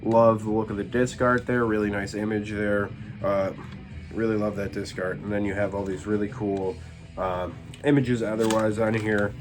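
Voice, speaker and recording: Low-voiced man rambling about records. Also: normal speed, music in the background. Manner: relaxed, rambling, frequent fillers. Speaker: metal collection vlogger. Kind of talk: casual spoken review.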